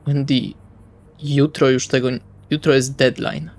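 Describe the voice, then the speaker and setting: A man's voice: medium pitch, little pitch movement, a little slow, darkish tone, lightly acted. A man playing a blunt, exasperated male vampire in an improvised tabletop roleplay, speaking colloquially and hesitantly, with music behind him. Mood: practical, impatient. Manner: colloquial, swearing, hesitant phrasing.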